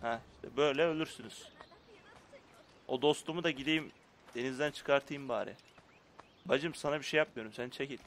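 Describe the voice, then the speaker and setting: A man commenting casually on his gameplay, playfully arguing with the game's characters and swinging from muttering to loud outbursts. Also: mid-range voice, moderate pace, long pauses, a little hiss or hum. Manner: playful, talks to game characters in mock indignation. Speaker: gaming YouTuber.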